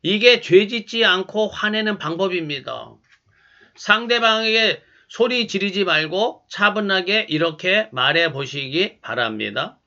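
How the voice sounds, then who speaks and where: A male pastor preaching a sermon in a calm, measured, instructive way. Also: high-pitched, dull audio.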